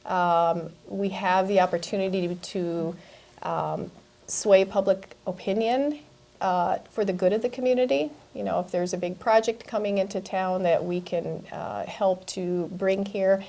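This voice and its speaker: A woman, a guest professional giving halting, earnest, unscripted answers in an interview. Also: mid-range voice, creaky, dark tone. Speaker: newspaper publisher being interviewed.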